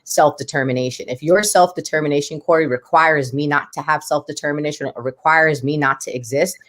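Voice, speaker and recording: A woman's voice: low voice, fairly even intonation, brisk. A woman, speaking as a guest in an interview, talking with passion and emphasis. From United States. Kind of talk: podcast interview.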